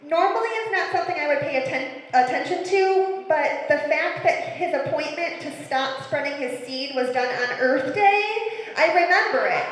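A woman in her thirties doing a stand-up comedy set on a club stage, with a deadpan, self-mocking way of telling stories into a handheld mic. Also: high voice, normal speed. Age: 30s. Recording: echoey club room with long reverb.

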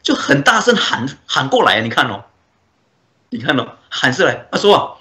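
A man, a Buddhist monk, giving a dharma talk as a story, with drawn-out filler particles and frequent chuckles. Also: mid-range voice, sing-song, bright, forceful tone.

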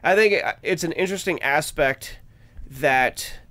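A man's voice: a little high, measured pace, a bit bright. An American man co-hosting a podcast, chatting casually about a film and jumping in often. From United States. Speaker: podcast co-host.

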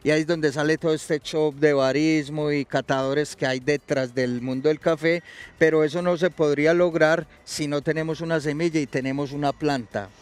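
A man's voice: fairly high pitch, fairly even intonation, moderate pace, clear, resonant tone. Middle-aged man explaining coffee. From Colombia. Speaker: coffee expert guest. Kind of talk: explanatory interview talk. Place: outdoor garden set.

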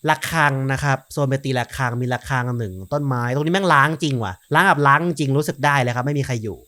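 A man's voice: mid-range voice, fast, bright, forceful tone. A man hosting a gaming channel, chatting straight to his viewers in casual commentary as he plays a horror game. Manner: chatty, talks straight to viewers while playing.

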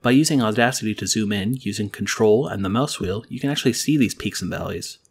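Husky-voiced man calmly explaining. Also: lowish voice, fast talker. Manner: calm explanatory teaching. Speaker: library educator. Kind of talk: screen-recorded tutorial. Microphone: quality desk microphone.

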